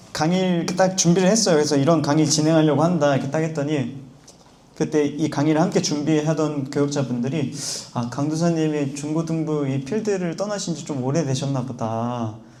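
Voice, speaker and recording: Soft-spoken and calm in tone, a man talks at a fairly quick pace with a fairly high pitch and ordinary pitch variation. The room echo is audible. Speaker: seminary-trained youth minister, guest lecturer. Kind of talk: lecture. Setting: youth summer retreat lecture hall. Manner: calm, soft-spoken.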